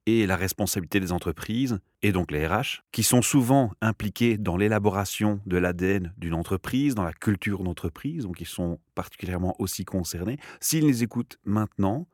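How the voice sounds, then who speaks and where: A low-voiced man hosting a podcast. He asks long, enthusiastic questions and chimes in with agreement. The recording is dry and close. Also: fairly quick, hardly any pauses, dry recording. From Belgium. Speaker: podcast host. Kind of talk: podcast interview.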